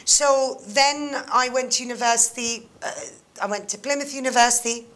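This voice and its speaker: A woman speaking as an interview guest, her voice bright and slightly high. She talks animatedly, breaking into laughs and leaning on fillers as she chats. The tone stays casual and open. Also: moderate pace. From England and Greece. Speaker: interview guest, mentoring manager. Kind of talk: casual chat.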